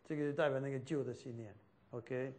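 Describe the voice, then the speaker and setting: A man's voice: medium pitch, fairly even intonation, fairly quick, a little mellow. A man teaching a Christian class, speaking in a loose, repetitive way and dropping in English fillers like "OK".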